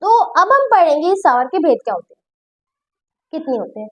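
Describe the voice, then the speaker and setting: Bright high-voiced woman teaching grammar. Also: sing-song, a little fast. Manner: patient, repeats points and checks understanding. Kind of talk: classroom-style lesson explaining at a board.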